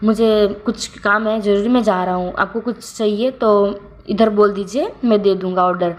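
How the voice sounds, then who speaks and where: A woman's voice: mid-range voice, fairly even intonation, normal speed, close to an everyday voice. A woman voicing a proud young man who talks curtly and dismissively in a told story. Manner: curt and dismissive.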